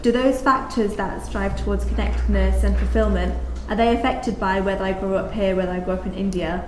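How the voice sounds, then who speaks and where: A woman's voice: medium pitch, steady tone, fairly quick. A woman moderating a question session, posing and restating questions for the audience. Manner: questioning, clarifying. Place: lecture room with audience. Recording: echoey room with background noise.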